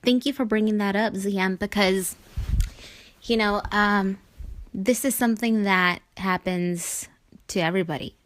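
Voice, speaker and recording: A woman's voice: mid-range voice, steady tone, measured pace, fairly bright tone. A woman hosting a conversational discussion show on spiritual matters, talking reassuringly and often checking in with the listener. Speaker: show host.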